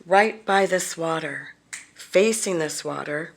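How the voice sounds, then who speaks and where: A woman guides a meditation at a very slow pace, in a slightly low voice. Her delivery is gentle and deliberate, leaving long pauses between phrases, some of them softly breathed. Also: gravelly. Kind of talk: guided visualization, soothing meditation narration.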